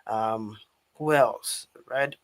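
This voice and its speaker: A man's voice: lowish voice, extremely slow. A Ghanaian man presenting informally as the host of a live webinar, repeating rallying questions and prompts to his audience. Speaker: host and public speaking coach.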